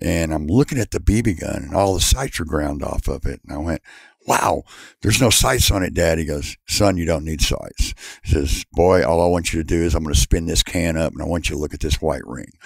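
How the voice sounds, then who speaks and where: The speaker talks at a fairly quick pace with a Texan accent and vocal fry. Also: man, very deep, low pitch for a man, ordinary pitch variation, dry, close sound with no echo. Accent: Texan American. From Texas, Houston. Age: 60s. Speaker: shooting instructor and champion. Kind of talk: interview storytelling. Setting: podcast.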